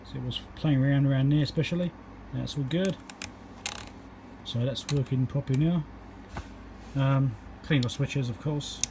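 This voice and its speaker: Over a noisy background, a medium-pitched, steady-toned man speaks at a moderate pace. He is an electronics repairer with a New Zealand accent, giving a casual, unscripted, matter-of-fact tour of his work at an indoor bench.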